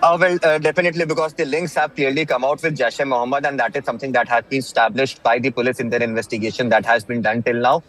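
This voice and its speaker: A man with an Indian accent reporting breaking news live, haltingly, with repeated words and many filled pauses. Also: mid-range voice, fairly even intonation, fairly bright tone.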